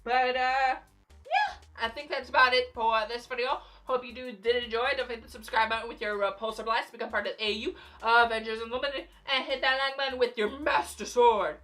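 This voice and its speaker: A young woman vlogging casually about films, rambling with many fillers and a voice going a little hoarse. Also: fairly high pitch, fairly quick. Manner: rambling, animated fangirl talk with frequent fillers and laughs. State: losing her voice, slightly hoarse. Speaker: YouTuber. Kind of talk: casual vlog commentary.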